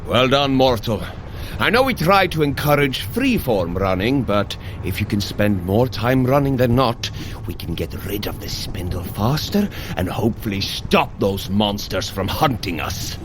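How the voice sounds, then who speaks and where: A man's voice: on the low side, sing-song, a little slow, noisy background. A man playing a bold, commanding Norse god who urges on a runner in a grand, hearty manner in an audio adventure. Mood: encouraging. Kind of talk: scripted audio fitness adventure acting.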